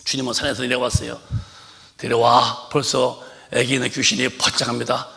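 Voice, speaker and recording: A male pastor preaches with lively storytelling, dropping to quiet asides and then bursting into shouted commands. His voice is strongly gravelly with a forceful, bright edge. A long reverb fills the church sanctuary around him. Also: mid-range voice, normal speed. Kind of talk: sermon.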